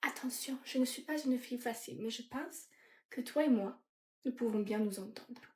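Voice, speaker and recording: Woman doing a breathy flirty Latina in her twenties, put-on Latin American accent, a bit high, echoey room. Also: normal speed, close to an everyday voice. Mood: flirtatious. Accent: put-on Latin American Spanish.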